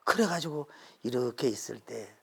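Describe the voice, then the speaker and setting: A middle-aged man from South Korea preaching a sermon, dropping to hushed whispers and rising to shouts. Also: medium pitch, animated, normal speed, gravelly, husky. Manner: acts out God and Elijah in soft voices. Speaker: pastor.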